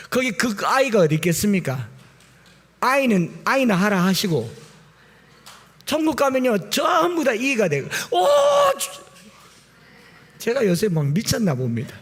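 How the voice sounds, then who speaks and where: Animated pastor preaching a lively sermon. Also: male voice. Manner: animated, switches between booming exclamations and quiet asides.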